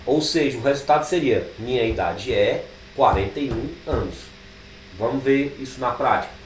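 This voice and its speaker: A Brazilian man teaching programming, thinking aloud as he types code, with drawn-out fillers. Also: medium pitch, far from the mic. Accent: Brazilian Portuguese. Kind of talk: live coding class. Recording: echoey room, speaker away from the mic, faint background noise.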